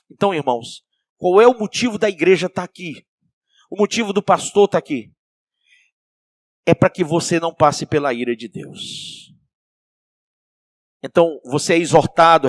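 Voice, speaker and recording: A male pastor with a Brazilian accent preaching a sermon, asking the congregation questions and swinging between soft and loud. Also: fairly high pitch, dry recording, studio quality. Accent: Brazilian Portuguese.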